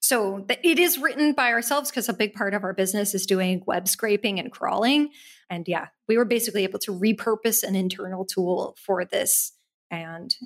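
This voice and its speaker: A woman with a plain, everyday voice talks at a fairly quick pace with lively intonation. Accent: American. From United States. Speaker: startup founder. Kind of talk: casual interview.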